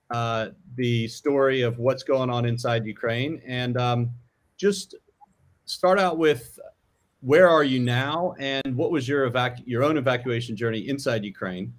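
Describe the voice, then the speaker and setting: Male host moderating a live discussion. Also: medium pitch.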